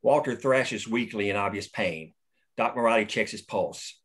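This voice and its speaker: A man reading the stage directions aloud at a script table read in a steady, plain way. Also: lowish voice, normal speed, slightly rough.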